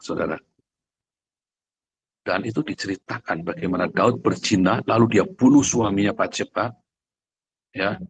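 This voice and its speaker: A man's voice: lowish voice, slightly rough, no echo, low-quality recording. Blunt male preacher, close dry sound. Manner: blunt, emphatic, addresses listeners directly, asks rhetorical questions. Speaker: preacher, pastor. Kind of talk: conversational livestream sermon.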